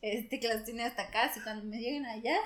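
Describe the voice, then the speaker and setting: Mexican woman, host, high voice, crude jokes, excitable, echoey room. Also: fast. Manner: crude, joking, excitable, laughs often. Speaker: podcast host. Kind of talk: casual chat.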